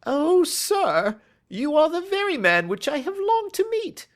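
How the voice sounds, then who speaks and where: A man's voice: sing-song, slow, heavily acted. Man doing a quavering, whining little man. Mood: frightened whining. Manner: high quavering whine. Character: nervous whining little man, frightened and eager.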